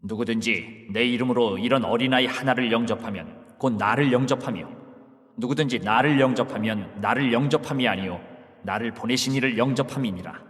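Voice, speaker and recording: A man plays Jesus as a calm, authoritative teacher, with measured, solemn speech. His voice sits at an ordinary male pitch. A long hall reverb trails behind every line of this dramatized scripture. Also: natural voice. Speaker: voice actor. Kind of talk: dramatized Bible reading.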